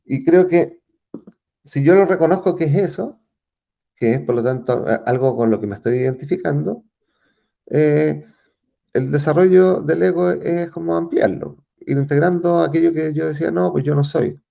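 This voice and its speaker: Chilean guy being interviewed, thinks out loud, lots of restarts, dark gravelly voice. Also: on the high side, normal speed. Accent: Chilean Spanish. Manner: thoughtful, searching for words, frequent restarts and fillers. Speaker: interview guest. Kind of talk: reflective conversational interview.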